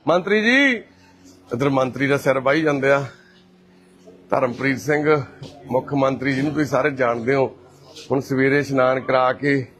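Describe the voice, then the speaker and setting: A man's voice: medium pitch, fairly bright tone. Cheerful coaxing Punjabi man, live tour. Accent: Punjabi from Punjab, India. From Punjab, India. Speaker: host and caretaker at a care shelter. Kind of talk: live walk-through narration.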